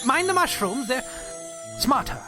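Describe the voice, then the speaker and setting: A woman's voice: high-pitched, very animated, measured pace, over music. A woman playing a whimsical, fussy wonderland guide in an audio drama, theatrical and teasing. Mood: flighty, fussing.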